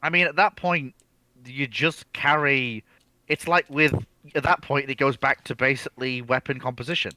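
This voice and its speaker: A man's voice: mid-range voice, normal speed, bright, forceful tone, dry recording. A man on a discussion panel, explaining off the cuff in a methodical, emphatic way and restating his points. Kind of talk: unscripted expert discussion.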